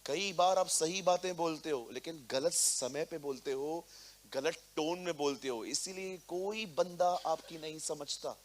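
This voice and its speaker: Animated male preacher, higher voice. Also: measured pace. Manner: animated, mixes English words into Hindi, acts out scenes. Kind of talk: sermon. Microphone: handheld microphone.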